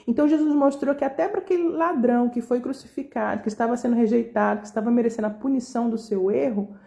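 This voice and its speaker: Mellow-voiced Brazilian woman teaching the Bible. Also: a little high, quick pace, gravelly. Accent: Brazilian Portuguese. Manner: conversational, asks listeners "entende?". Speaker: Bible study leader.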